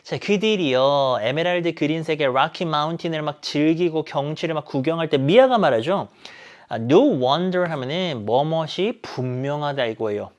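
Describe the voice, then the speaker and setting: A man teaching an English exam lesson, emphatic and animated, asking questions and answering them himself. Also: fairly high pitch, normal speed. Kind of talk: exam explanation lecture.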